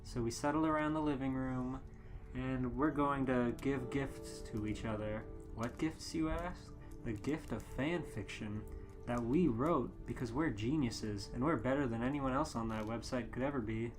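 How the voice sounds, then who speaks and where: A man's voice: mid-range voice, normal speed. Man hosting a podcast over music. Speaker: podcast host. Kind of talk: comedic group podcast chat. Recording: music behind the voice.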